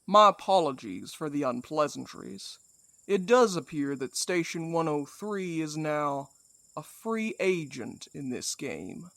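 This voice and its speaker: A man's voice: fairly high pitch, expressive, unhurried, creaky, fairly bright tone, no echo, heavily acted. A man playing a menacing, mock-courteous supernatural villain in an audio drama. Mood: smug, measured. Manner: drawling, theatrical, mock-polite. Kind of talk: audio fiction drama acting.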